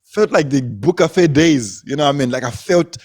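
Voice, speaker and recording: A man's voice: mid-range voice, animated, fairly quick. A young man from Zimbabwe, a comedian, telling stories in casual conversation, laughing often and repeating words as he goes. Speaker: comedian, guest.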